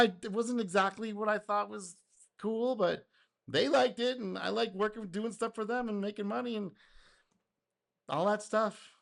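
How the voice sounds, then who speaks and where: Guy reacting to a video, excitable, kinda hoarse, sits a little high. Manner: animated, exclaims and laughs, acts out customer quotes. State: getting hoarse. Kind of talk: casual reaction commentary.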